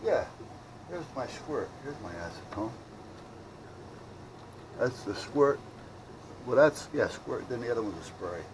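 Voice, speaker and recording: A man chatting casually and rambling as he thinks out loud while doing hobby radio repair. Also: mid-range voice, animated, a little slow, long pauses. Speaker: hobbyist radio repairer showing his work. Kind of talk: casual unscripted vlog chat while working. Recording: clearly noisy hobby video recording.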